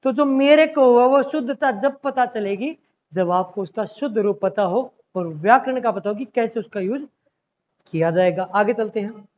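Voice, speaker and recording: A man's voice: high-pitched, moderate pace, lo-fi sound. A man teaching an exam-prep language class, explaining step by step and repeatedly calling his students "beta".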